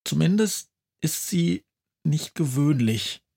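Excitable witch lady from a storybook, raised voice, breathless chatter, husky, voiced by a man. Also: a little high, takes it slowly, pitched above the performer's own voice, exaggerated voice. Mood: excited. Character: scatterbrained cheerful female Christmas witch. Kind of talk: storybook narration.

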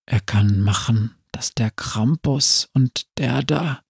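Weary storybook zombie played by a man, low and slow, dry close sound. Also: steady tone, darkish tone, husky, no echo, heavily acted. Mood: fearful. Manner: slow, low murmur, sometimes whispered.

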